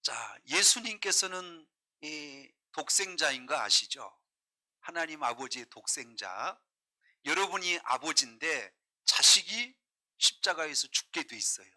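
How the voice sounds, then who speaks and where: A man preaches a sermon with a very bright, piercing edge to his voice, set a little high for a man. He keeps asking the congregation questions and swings between hushed asides and loud, driving emphasis. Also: animated, measured pace. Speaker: pastor.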